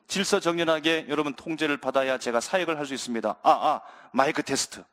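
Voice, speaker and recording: A man's voice: on the high side, fast, fairly bright tone, pitched below the performer's own voice, close to an everyday voice. A man voicing Jesus in a sermon, first as a mock formal announcer testing a microphone and then scolding disciples. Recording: reverberant church hall.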